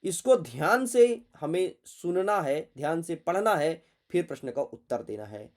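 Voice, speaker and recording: A young man with a fairly high voice teaches an exam prep lesson, speaking straight to his students in a chatty, playful way. While he hunts through a passage he drops into muttering to himself. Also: expressive, unhurried, a little mellow.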